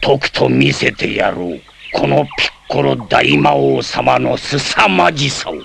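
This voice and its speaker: An actor playing a haughty old demon king in an anime, a menacing, imperious dark lord with a gravelly voice. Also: medium pitch, sing-song, very slow, slight background noise, heavily acted. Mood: boastful menace. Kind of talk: Japanese anime voice acting.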